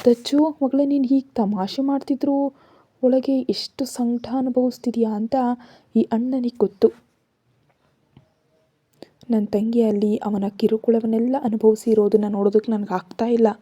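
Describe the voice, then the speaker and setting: A woman's voice: fairly high pitch, fairly even intonation, moderate pace, long pauses, mellow, husky, dry recording. A woman voicing a protective older brother who scolds his sister with affection, in a storybook reading. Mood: scolding. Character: caring young man, protective older brother.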